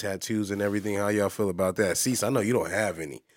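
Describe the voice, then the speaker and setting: In a very clean recording with a silent background, a man speaks with an American accent at a fairly low pitch. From US West Coast, San Diego. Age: 20s. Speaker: podcast co-host. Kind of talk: casual chat.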